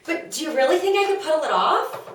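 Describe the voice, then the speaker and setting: Woman as put-upon comic wife, griping and unsure of herself, slightly high voice, distant in a very reverberant room. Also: sing-song, fast, a little hiss or hum. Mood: doubtful. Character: exasperated, henpecking young-to-middle-aged wife of Socrates, insecure. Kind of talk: comedic play table read. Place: echoey room, away from mic. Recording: very echoey room, distant mic.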